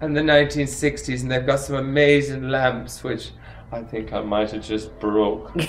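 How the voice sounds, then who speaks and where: Noticeable background noise accompanies a man speaking at a fairly slow pace and medium pitch. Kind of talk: casual vlog walkthrough. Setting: in a shop. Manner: animated.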